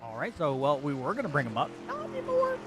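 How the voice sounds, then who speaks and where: A man's voice: on the high side, wildly swooping pitch, quick pace, music in the background. A man doing casual color commentary for an online truck race, chatty and often stammering as he starts a sentence. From United States.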